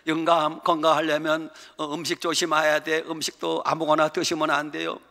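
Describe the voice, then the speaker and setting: A man voicing a caring, nagging old wife who coaxes her husband with gentle reminders. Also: fairly high pitch, monotone, normal speed, gravelly. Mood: coaxing. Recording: long church hall reverb.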